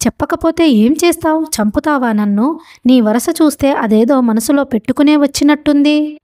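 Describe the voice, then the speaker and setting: A woman voicing a frail, frightened and bitter old man in a storybook reading, pleading in a shrill voice. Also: normal speed, dark tone, no room sound, studio quality, natural voice. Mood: fearful.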